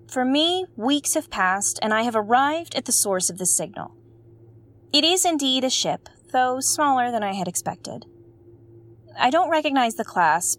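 An actress playing an earnest woman investigator who narrates her space mystery show in an articulate, musing, theatrical way with dramatic pauses. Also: mid-range voice, natural voice. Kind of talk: audio drama narration, like a spoken field log.

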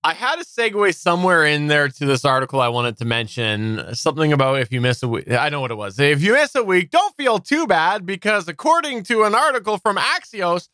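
A man's voice: a little high, very animated, a little fast, few pauses, bright, forceful tone, dry recording. A man co-hosting a podcast, chatting casually with dry humor. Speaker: podcast co-host.

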